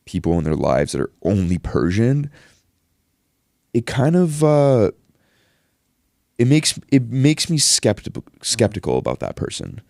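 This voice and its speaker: A young man raised in Canada, telling stories in a relaxed podcast chat. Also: low voice, creaky, no echo, studio quality. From Iran, raised in Canada. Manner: relaxed, storytelling, with fillers. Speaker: podcast host.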